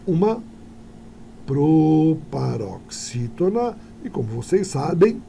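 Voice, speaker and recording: A Brazilian man teaches Portuguese in an exam-prep video lesson, addressing his viewers directly and checking in with quick tag questions. His voice is a little high, expressive and warm, with a little hiss or hum.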